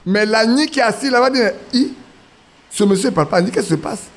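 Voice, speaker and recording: High-voiced preacher man. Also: lively intonation, fast, creaky, slight background noise. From Ivory Coast. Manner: storytelling with acted quotes, restarts. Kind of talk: sermon.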